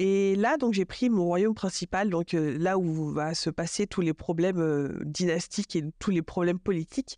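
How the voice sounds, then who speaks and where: A woman speaks at a fairly slow pace with hardly any pauses and very even loudness, her fairly low voice dark and mellow in tone. The sound is dry and close with no echo, and the background is quiet. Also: ordinary pitch variation. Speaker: podcast host and illustrator. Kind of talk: casual monologue. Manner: halting with fillers.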